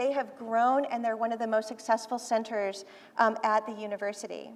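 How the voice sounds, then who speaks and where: A woman with a high pitch speaks at a moderate pace with fairly even intonation. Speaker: neuroscience center director or professor, event host. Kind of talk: welcome speech. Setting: stage with audience, PA system. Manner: loud.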